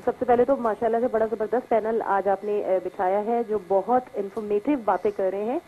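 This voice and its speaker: A woman's voice: mid-range voice, fairly even intonation, fairly quick. A woman calling in to a talk show, polite and articulate, with a few fillers. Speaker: caller. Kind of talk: phone-in call. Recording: tinny phone line.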